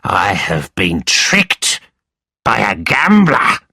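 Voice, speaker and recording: A man reading a story aloud and voicing a scheming, cold-hearted moneylender who taunts in a calm, cutting way. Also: lowish voice, drawn-out words, gravelly, slightly rough, no echo, studio quality, heavily acted. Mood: taunting.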